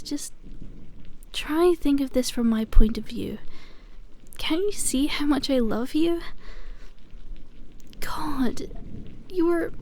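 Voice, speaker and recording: A woman playing a possessive, lovesick asylum inmate in an ASMR roleplay, cooing endearments with breathy sighs and a sweetly menacing edge. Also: on the high side, mellow, a little hiss or hum. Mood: pleading, hurt. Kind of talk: ASMR roleplay, intimate scripted monologue.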